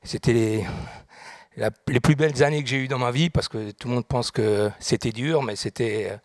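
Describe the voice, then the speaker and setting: A middle-aged French man, a restaurant group founder, is a guest on a studio interview set with an audience, speaking into a handheld mic. His medium-pitched, darkish voice moves at a normal speed with no echo. He starts hesitant and full of fillers, then grows more earnest as he goes.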